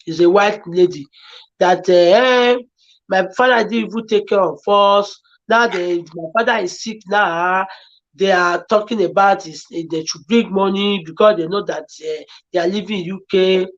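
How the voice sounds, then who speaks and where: A woman with a Nigerian accent talks earnestly, pleading and repeating herself as she gives advice. Her voice sits at an ordinary pitch for a woman. The audio is dull and lo-fi. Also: normal speed. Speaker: guest. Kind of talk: emotional advice-giving chat.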